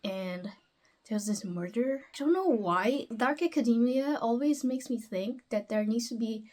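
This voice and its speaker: A young woman chats about books at home in a loose, rambling way. Her voice sits a little high. She keeps questioning herself aloud as she goes. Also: animated, moderate pace, warm tone. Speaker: book vlogger. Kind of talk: casual book vlog.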